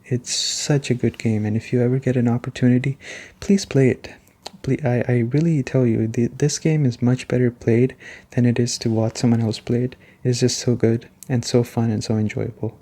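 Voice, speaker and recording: Male game reviewer for relaxed ASMR commentary: soft, dark-toned, gentle and conversational. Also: medium pitch. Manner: soft-spoken, gentle and unhurried. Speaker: gaming reviewer and video host.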